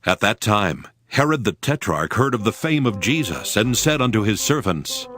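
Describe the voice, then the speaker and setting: A man's voice: fairly low pitch, sing-song, normal speed, bright, forceful tone, faint music behind. A man narrating scripture in a dramatic, scripted audiobook style.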